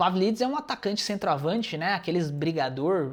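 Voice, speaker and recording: A man is speaking here. His pace is fairly quick. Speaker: football news youtuber. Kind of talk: casual vlog commentary. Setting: home recording late at night. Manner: quiet, speaking softly.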